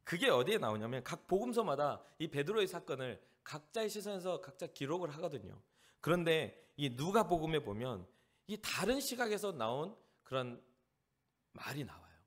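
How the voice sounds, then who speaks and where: Male pastor from Jeolla, fairly high, lively voice, preaching with animated storytelling. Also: moderate pace. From Jeolla, South Korea. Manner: animated, acts out the lines of the people in the story. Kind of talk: sermon to a youth service.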